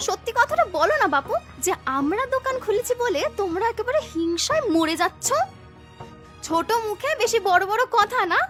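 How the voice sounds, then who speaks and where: A woman voicing a feisty young village woman who runs a shop, sharp-tongued and scolding, for a cartoon. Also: very high-pitched, sing-song, brisk, heavily acted. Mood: defiant. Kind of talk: cartoon voice acting. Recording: faint music behind.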